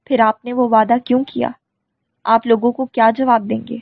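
A furious young woman tears into the man she once trusted, as a woman storyteller voices her. The voice is husky with a gravelly edge and sits a little high. The audiobook recording is dry and tinny. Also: level tone, no room sound. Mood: accusing. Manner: furious, accusing, tearful. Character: defiant young woman confronting her leader.

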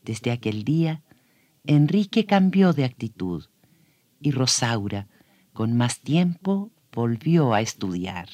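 A man's voice: medium pitch, big pitch swings, takes it slowly, warm tone, no echo. A man telling a story on a children's radio show, speaking expressively and addressing young listeners directly.

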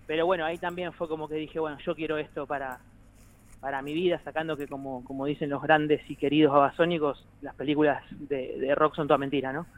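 A man's voice: a little high, flat delivery, quick pace, rough recording. A man in his thirties with an Argentine accent, a musician guest who rambles, jokes and laughs often in a casual interview chat. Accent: Argentine Spanish. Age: 30s.

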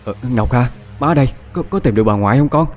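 A man's voice: medium pitch, expressive, fast, soft background music, natural voice. A man voicing an anxious middle-aged woman who pleads and stammers. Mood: alarmed. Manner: pleading, stammering, rustic address.

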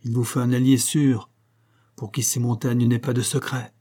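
Man reading a wise Hindu guide, solemn, measured, husky, dark voice. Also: mid-range voice, flat delivery, lightly acted.

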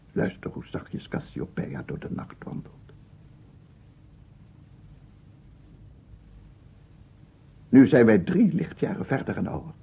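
A tormented, obsessive researcher in a radio drama. His low voice crackles with gravel as he rambles, repeats himself and breaks off. The sound is narrow and phone-like, like an old radio recording. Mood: hushed, wondering. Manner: halting, repetitive, rambling, from murmurs to loud declaiming. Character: unhinged, tormented male scientist, a visionary sound researcher. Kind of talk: radio play monologue.

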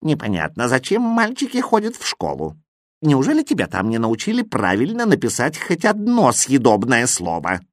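A man voicing a sober, grumbling house cat in a storybook audiobook, speaking low, slow and quietly. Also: wildly swooping pitch, dry recording, clean studio sound.

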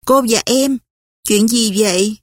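A woman voicing a gentle, patient young sister-in-law in a storybook reading, with a soft, soothing manner. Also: fairly high pitch, slow, no room sound, clean studio sound.

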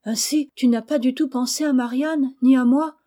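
Storybook blind girl, tender and earnest, read by a woman, mellow and fairly high. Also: fairly even intonation, moderate pace. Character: gentle pious blind young girl.

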